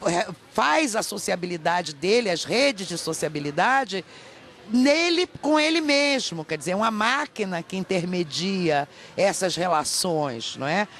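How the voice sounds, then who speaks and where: A woman's voice: on the low side, lively intonation, measured pace, a bit bright. A middle-aged Brazilian woman, an academic guest giving emphatic, explanatory interview answers in Portuguese with rhetorical check-ins. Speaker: academic guest, professor and author. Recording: clear ambient background noise.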